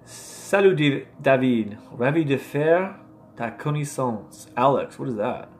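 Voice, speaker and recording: A man's voice: mid-range voice, animated, takes it slowly, darkish tone, faint music behind. A man casually studying flashcards aloud, repeating words and laughing at his own mistakes. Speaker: language learner vlogger.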